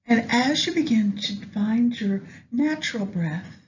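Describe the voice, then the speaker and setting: A woman leading a guided meditation with astrology, speaking gently and in measured short phrases with long pauses. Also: a little high, animated. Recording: dull lo-fi sound, faint background noise.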